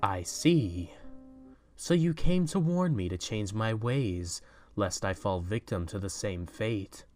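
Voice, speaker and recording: Cold, arrogant young male tycoon , played by a man, curt, lowish voice, close dry recording, audio drama. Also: lively intonation, slow pace, darkish tone, no room sound, faint music behind. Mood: dismissive. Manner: curt, haughty, dismissive. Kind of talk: fan audio drama acting.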